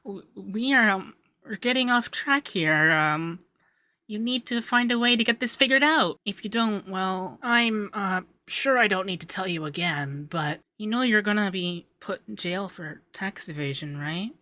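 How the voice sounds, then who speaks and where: Man acting a bright-voiced, coy, effeminate young accountant. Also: high-pitched, measured pace, heavily acted. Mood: flustered, coy. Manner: coy, teasing, lilting, hesitant in places. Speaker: ASMR voice actor. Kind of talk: ASMR roleplay.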